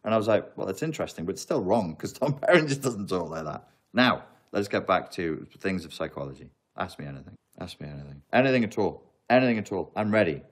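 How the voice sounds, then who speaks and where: A man's voice: low voice, lively intonation, fast talker, hardly any pauses. A man, chatting casually on a live stream, answering viewer questions in a rambling, joking, self-mocking way.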